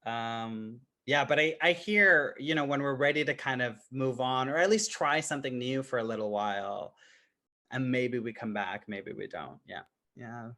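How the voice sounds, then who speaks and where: Very bright-voiced man hosting conversationally. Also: mid-range voice, normal speed. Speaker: roundtable facilitator.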